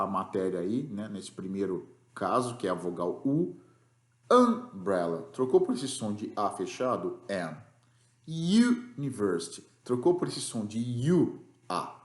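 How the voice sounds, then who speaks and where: A man's voice: on the low side, echoey room. A man with a Brazilian Portuguese accent teaching an English grammar lesson, explaining rules patiently and checking in with the class after each point.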